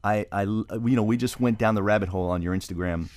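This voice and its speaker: A man's voice: on the low side, fast, darkish tone. A middle-aged man hosting a public radio interview, conversational and dropping in Spanish words. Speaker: radio show host. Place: radio studio. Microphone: close studio microphone.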